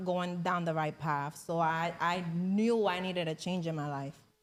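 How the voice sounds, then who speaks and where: With a Spanish accent, a woman speaks at a moderate pace. Her pitch is fairly low. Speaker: businesswoman and podcaster. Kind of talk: casual chat.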